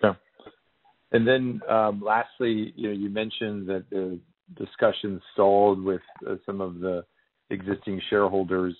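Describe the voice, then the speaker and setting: A man's voice: lowish voice, little pitch movement, moderate pace, no room sound. A man calls in as an analyst, asking questions casually on an earnings call. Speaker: analyst caller. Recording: dry, muffled phone line.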